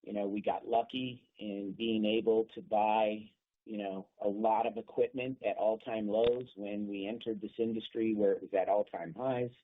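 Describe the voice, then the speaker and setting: A man speaking as a company executive, giving unscripted answers on an earnings call in a halting way, repeating words as he goes. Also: on the low side, steady tone, a little hiss or hum. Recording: thin phone-line conference call.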